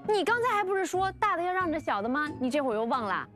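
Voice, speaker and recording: A patient cartoon mother who soothes and coaxes. Her voice is high and lively. Bright cartoon music plays behind her. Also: quick pace. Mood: coaxing. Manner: soothing, coaxing, with many soft fillers. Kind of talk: children's cartoon voice acting. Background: cartoon background music.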